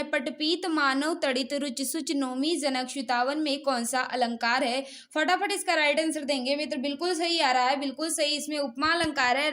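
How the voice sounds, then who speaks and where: Woman, Indian accent, high pitch, teacher, live quiz lesson, repetitive instructional prompting. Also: fairly bright tone. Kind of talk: live exam quiz lesson, reading questions and giving answers.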